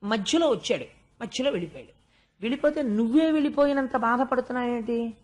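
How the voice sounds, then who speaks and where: A man voicing a wise old sage who gently reasons with a grieving king. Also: very high voice, animated, quick pace. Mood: reasoning.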